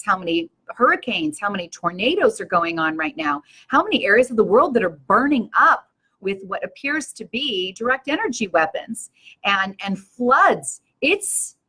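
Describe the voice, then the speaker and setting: Sharp-toned and husky, with a voice on the high side, an older woman addresses viewers of her own live-stream show. Her delivery is earnest, impassioned, preachy, and meant to rouse.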